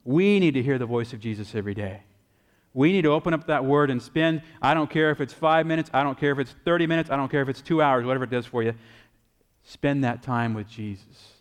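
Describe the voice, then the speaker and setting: A man's voice: on the high side, fairly even intonation, quick pace, smooth. Earnest male pastor in a reverberant hall. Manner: earnest, pleading emphasis, repeats phrases. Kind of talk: sermon.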